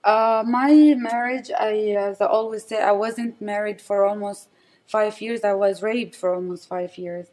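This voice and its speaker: A woman with an Arabic accent and a medium-pitched voice speaks as a guest in an interview. Her English is non-native and halting, and she often searches for words while giving personal testimony. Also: steady tone, darkish tone. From West Bank, raised in Saudi Arabia.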